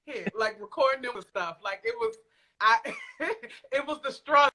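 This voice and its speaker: A woman's voice: on the high side, moderate pace, bright, forceful tone. An American woman speaking as a podcast guest in a casual, informal, conversational way. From Alexandria, Virginia, United States. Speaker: podcast guest, audio drama creator. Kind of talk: casual chat.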